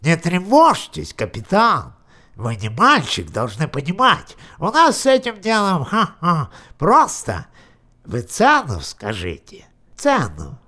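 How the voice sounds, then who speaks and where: A man's voice: on the high side, huge pitch swings, bright, forceful tone, heavily acted. A sly, wheedling businessman. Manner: drawn-out, wheedling, mock-friendly. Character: sly, fawning foreign businessman, middle-aged man. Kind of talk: audio play acting.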